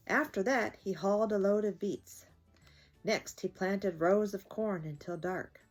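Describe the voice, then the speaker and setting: Older woman, husky voice, lively pitch, children's read-aloud host, expressive. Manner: expressive, addressing young listeners. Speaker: host and reader of a children's story time.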